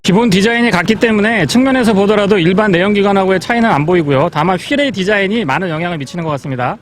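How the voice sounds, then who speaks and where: A man's voice: sits high, racing, soft background music. A man presenting a test-drive review as a car reviewer, explaining things politely.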